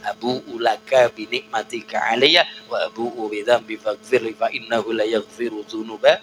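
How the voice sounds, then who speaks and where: A man with a Javanese accent preaching a lively sermon, jumping to high calls and chanting prayers. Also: moderate pace, music in the background, low-quality recording. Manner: animated, swings into high shouts, chanted Arabic prayers.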